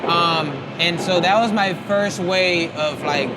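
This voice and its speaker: Loud street noise surrounds a high-pitched man with a Charleston Geechee accent, a Southern Black way of speaking. He chats casually as an interview guest, full of slang and "you know". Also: slow. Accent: Charleston Geechee Southern Black American. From Charleston, South Carolina, USA. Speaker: interview guest, visual artist. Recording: clear loud traffic noise outdoors.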